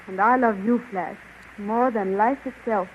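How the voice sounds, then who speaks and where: An actress playing a devoted, anxious young heroine in a 1930s radio serial. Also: female voice, medium pitch, measured pace, natural voice. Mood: tender. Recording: dull, noisy 1930s radio recording.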